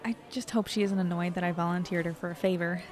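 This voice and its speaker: A woman's voice: on the low side, fairly even intonation, fast, noisy background, natural voice. An actress playing a caring, curious young woman chatting with friends in an audio drama, casual and a little hesitant. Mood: concerned, curious. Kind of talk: acted dialogue in an audio drama podcast.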